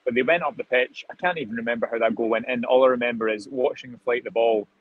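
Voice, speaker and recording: Here a young man in his twenties, a football reporter calling in as a guest from the stadium, offers live reaction to the match, thoughtful and rambling, restarting again and again. His mid-range voice is husky and quick. The recording is dry, with narrow, tinny audio.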